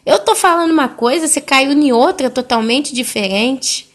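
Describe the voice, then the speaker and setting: A woman voicing a calm young mother who pleads with her own mother in an earnest, reasoning voice. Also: fairly high pitch, moderate pace, breathy edge.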